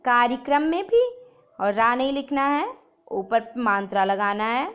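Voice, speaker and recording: A woman teacher walks through spelling errors over slides, saying each word twice and leaning on its letter sounds. Her voice sits a little high and swings widely in pitch. She keeps an unhurried, deliberate pace. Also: expressive, a bit bright, clear, resonant tone. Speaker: Hindi grammar teacher. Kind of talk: explaining a lesson over slides.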